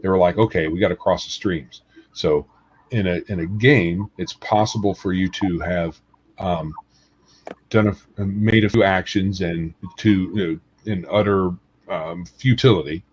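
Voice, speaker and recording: A man's voice: low voice, measured pace, a little hiss or hum. A man on a gaming podcast speaking casually, hesitant and full of ums. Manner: hesitant, many fillers. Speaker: podcast co-host. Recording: dull lo-fi audio.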